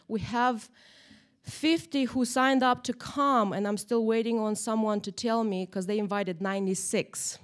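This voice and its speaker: A woman from Moldova, whose first language is Russian or Romanian, teaches a church Bible lesson to a group gathered in a church room. Her voice is fairly high and a little slow, and she's chatty and animated, often tagging on "right?".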